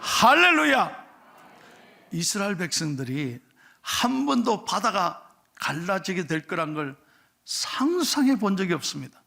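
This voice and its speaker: A middle-aged male pastor preaching a sermon with animated delivery, acting out complaints and leading scripture reading. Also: high voice, normal speed, creaky.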